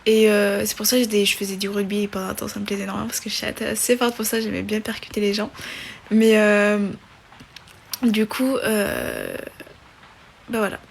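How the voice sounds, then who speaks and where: A woman's voice: medium pitch, flat delivery, moderate pace, vocal fry, a little hiss or hum. A woman in her twenties hosting a casual live stream on her phone, reading viewer questions aloud and chatting back with many fillers and restarts. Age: 20s.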